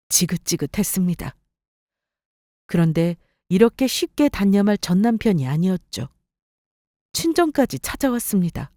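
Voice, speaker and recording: A woman narrating a dramatized personal story for story radio and voicing her own sharp-tongued replies. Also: medium pitch, no room sound, studio quality.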